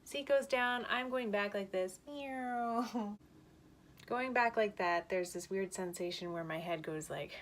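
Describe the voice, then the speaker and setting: A woman's voice: medium pitch, steady tone, unhurried, fairly bright tone. Candid woman telling a story, faint noise. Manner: chatty and candid, laughs often, acts out voices. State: shaken by vertigo. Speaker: vlogger. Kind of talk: casual storytelling to camera.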